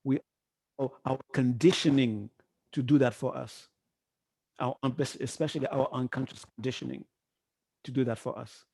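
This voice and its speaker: A man giving a meditation teacher's talk on a call, halting and repeating words, while his faulty mic makes the volume rise and drop. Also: mid-range voice, steady tone, gravelly, warm tone, breathy edge, no room sound. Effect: uneven volume from a cutting-out mic. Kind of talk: live dharma talk on a video call.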